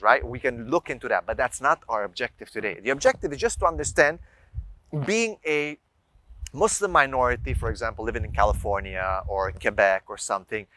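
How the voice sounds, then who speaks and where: The audio is poor, with a little hiss or hum, and the man's medium-pitched voice sounds pushed and bright. He gives religious advice in a casual explanatory talk for viewers, driving his points home with rhetorical questions and strings of examples.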